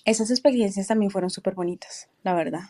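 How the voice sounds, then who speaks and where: A woman who founded a PR company, telling her story as a lively guest in a casual interview with lots of fillers. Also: mid-range voice, fast talker, no echo, clean studio sound. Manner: lively storyteller, acts out quotes, many fillers like "o sea".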